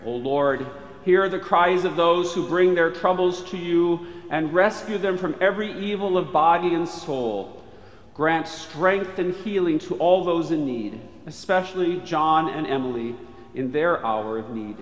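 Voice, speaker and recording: A man leading formal church prayer with solemn, measured phrasing in a reverberant chapel. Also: fairly high pitch. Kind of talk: formal spoken liturgical prayer. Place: large chapel. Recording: echoey chapel with long reverb.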